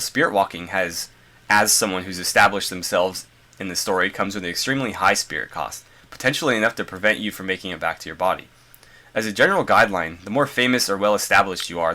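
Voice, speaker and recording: A man's voice: deep voice, sharp tone. A congested man reading a game design journal aloud and adding casual asides with fillers. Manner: reads passages then adds loose asides with fillers. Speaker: gaming video host.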